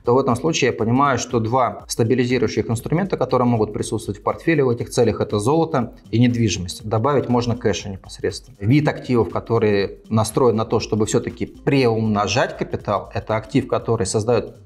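A man in his forties hosts an investment channel, explaining things to the camera in a mid-range, darkish voice with a breathy edge. His delivery is fast yet measured and advisory, full of fillers. He's recorded on a lapel mic in a small indoor studio set with a desk and lamp.

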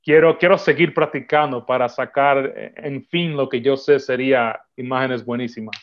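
A man's voice: medium pitch, normal speed. Man on a dull call. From Dominican Republic heritage, raised in New York. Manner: relaxed, laughs often, repeats words while thinking. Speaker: podcast guest, film photographer. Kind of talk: casual interview chat. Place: home room, video call. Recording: slightly dull video-call audio.

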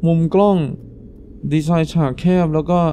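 A man commenting as he plays a video game, thinking aloud with sudden excited exclamations. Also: on the high side, normal speed, slight background noise. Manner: jumpy exclamations, thinks aloud while playing. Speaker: gaming YouTuber.

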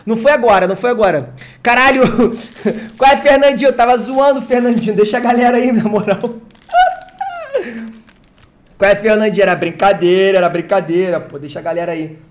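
An excitable, slangy streamer from Brazil opening card packs live, who swears and jokes with chat. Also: mid-range voice, a little fast. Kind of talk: live unboxing chat with viewers.

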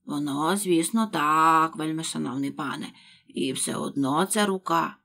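Woman doing a slow, timid servant man. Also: low-pitched, creaky, pushed and bright, slightly rough, voice pushed down, heavily acted. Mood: humble. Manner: slow, humble, pleading. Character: timid male servant Pat, simple and fearful.

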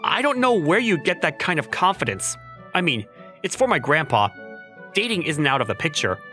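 A man's voice: fairly high pitch, normal speed, faint music behind. A man voicing a flustered, skeptical young office worker in a manga dub, sounding incredulous and given to inner narration. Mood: hesitant, resigned. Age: young adult. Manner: exasperated, incredulous, animated.

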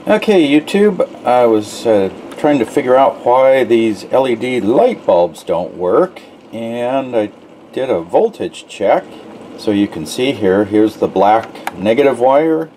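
A middle-aged man casually narrating a hands-on repair in his workshop, thinking aloud with halting fillers, recorded on the camera mic. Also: mid-range voice, sing-song, dark tone, slight background noise, rough recording. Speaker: DIY repair vlogger. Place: garage workshop and shed.

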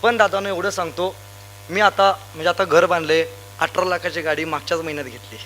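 Young guy from sangli doing a loud stage pep talk, high bright voice, punchy stories. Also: brisk, slight background noise. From Sangli district, Maharashtra. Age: young adult. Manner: loud, emphatic, rousing, addresses crowd directly. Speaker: motivational speaker. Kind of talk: stage motivational speech with anecdotes.

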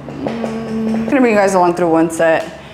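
A woman's voice: medium pitch, normal speed, echoey room, music in the background, low-quality recording. Chatty giggly young woman in home gym. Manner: chatty and giggly, dropping Spanish phrases. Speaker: fitness vlogger. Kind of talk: casual vlog chat to camera. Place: small home gym, indoors. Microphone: lapel mic.

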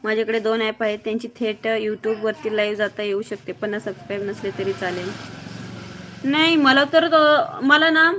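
A woman from Maharashtra hosting a live stream, briskly greeting viewers by name and reading their comments aloud in a blunt, outspoken way. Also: a little high, a bit bright, a little hiss or hum. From Maharashtra, near Mohol. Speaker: livestreamer.

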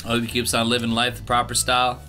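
Joking bright-voiced young man. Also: medium pitch, completely flat delivery, fast, soft background music. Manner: joking, rambling, laughs often. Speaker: co-host. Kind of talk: casual drunk gaming chat.

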